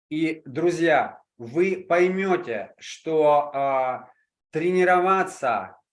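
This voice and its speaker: The speaker is a man with a fairly high pitch. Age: 60s. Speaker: speaker on breatharian autonomy. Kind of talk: talk via interpreter. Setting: video call.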